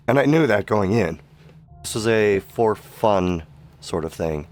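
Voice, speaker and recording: A man's voice: lowish voice, animated, takes it slowly, vocal fry, a little mellow. A man giving casual live-stream game commentary, his voice worn from sickness and hours of streaming. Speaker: streamer, amateur voice actor.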